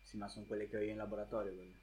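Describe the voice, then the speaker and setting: A man's voice: on the low side, little pitch movement, rapid-fire, a little mellow, reverberant, lightly acted. A man playing a shady, matter-of-fact arms and gadget dealer in improvised tabletop role-play.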